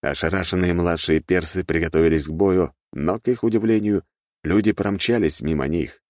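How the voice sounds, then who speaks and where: A man narrating a fantasy audiobook in a steady, even reading voice, recorded close to the mic. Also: low-pitched, normal speed, no echo.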